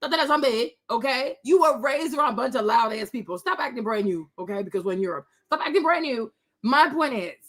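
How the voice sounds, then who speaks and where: High-voiced blunt woman. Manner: blunt, scolding, animated, repeats phrases for emphasis. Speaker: host commentator. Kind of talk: casual reaction commentary.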